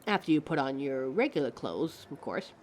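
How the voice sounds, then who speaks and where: A woman's voice: very deep voice, sing-song, normal speed, slight background noise. A woman voicing a living fashion mannequin in a scripted audio roleplay, haughty yet encouraging, with a dramatic, articulate delivery aimed straight at the listener. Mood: flattered, fond. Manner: theatrical, dramatic, articulate, addresses listener as darling.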